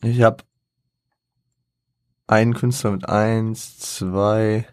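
A man with a lowish voice talks through a casual solo podcast episode, thinking aloud as he goes. He rambles, stops to count things off, and corrects himself often with plenty of fillers. The sound is dry and close, with no room around it. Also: level tone, drawn-out words, no room sound. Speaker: podcast host.

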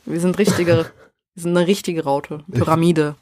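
A woman's voice: sits low, steady tone, normal speed, a little mellow, no echo, studio quality. A woman co-hosting a casual chat, talking in a colloquial, joking way. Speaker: co-host of a German rap album review.

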